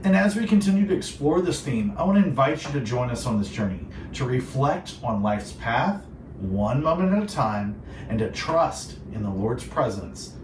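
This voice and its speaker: A man with a mid-range, animated voice at a moderate pace hosts a devotional Christian radio show, talking with a co-host in an earnest, reflective, polished way. The recording sounds distant and clearly noisy, with a roomy echo.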